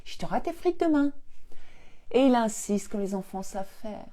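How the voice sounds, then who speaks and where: With a fairly high pitch and moderate pace, a woman coach shares a family story with her live-stream viewers in a relaxed way. She's lively, laughs a lot, and performs the dialogue.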